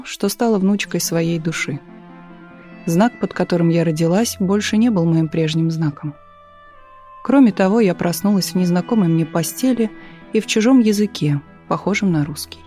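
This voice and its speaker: A woman narrating a literary audiobook in a calm, measured reading style. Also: fairly low pitch, soft background music. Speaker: audiobook reader.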